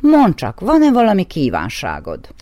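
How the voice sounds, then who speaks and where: A woman's voice: lowish voice, wildly swooping pitch, mellow, no echo, dull audio. A woman voicing a kind magical white horse who grants wishes, speaking in a friendly, lilting way.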